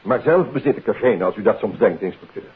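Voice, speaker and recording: A man's voice: fairly low pitch, expressive, quick pace, breathy edge. An actor playing an uneasy, formal male suspect in a 1950s Dutch radio play, hesitant and defensive. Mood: guarded. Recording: tinny, hissy old radio recording.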